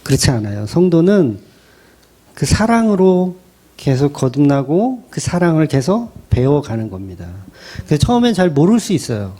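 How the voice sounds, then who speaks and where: A man's voice: fairly high pitch, big pitch swings, moderate pace, warm tone. A middle-aged man, a pastor preaching a sermon in a conversational style, acting out quoted voices.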